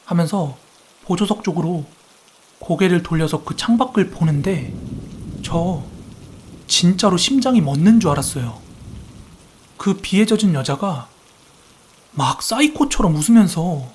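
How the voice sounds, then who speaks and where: A man narrating a first-person horror story in a soft, steady storytelling tone. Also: sits high, unhurried, long pauses, a little hiss or hum. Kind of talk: calm scripted horror narration.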